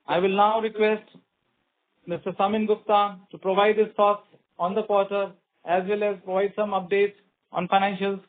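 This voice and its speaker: A man's voice: sits high, level tone, normal speed. A middle-aged man with an Indian accent reading a scripted company presentation on an earnings call. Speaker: company executive. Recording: tinny narrow phone line.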